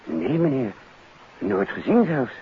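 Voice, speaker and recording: Animated, deferential hotel porter. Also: male voice, a little high, takes it slowly, vocal fry, heavily acted. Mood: nervous, deferential. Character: deferential, eager male hotel night porter. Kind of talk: 1950s Dutch radio drama acting. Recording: muffled, noisy 1959 radio recording.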